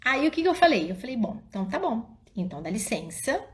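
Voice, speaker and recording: A woman's voice: fast talker, a little hiss or hum. A middle-aged woman psychologist, talking casually to parents in a live stream and acting out little scenes as she tells them. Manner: animated storyteller, often addresses listeners as "gente"; drops soft and low when quoting her own calm words to the child.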